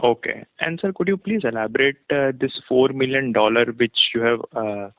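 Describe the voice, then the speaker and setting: A man's voice: medium pitch, moderate pace, dry recording. A man, a fund analyst, asks questions on an earnings call, politely and with many fillers. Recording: dry tinny phone line.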